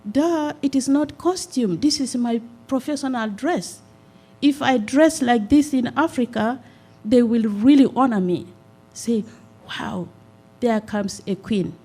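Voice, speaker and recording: Slow, earnest woman from South Sudan. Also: a little high, mellow, breathy edge. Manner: earnest, measured, with many "uh" pauses. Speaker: community nonprofit representative. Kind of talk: town hall public comment. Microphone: handheld microphone.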